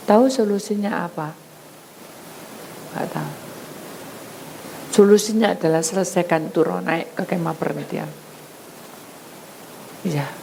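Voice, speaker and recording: Woman pastor, storytelling sermon, dramatic swings in pitch and volume, faint background noise. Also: gravelly, rough recording. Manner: storytelling, acting out dialogue with swings in pitch and loudness.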